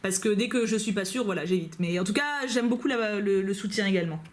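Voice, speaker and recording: A woman's voice: medium pitch, fast talker. A woman YouTuber chatting casually to camera from her couch at home, bubbly and full of fillers and asides. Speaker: YouTuber reacting to fan mail. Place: at home on a couch, dog nearby.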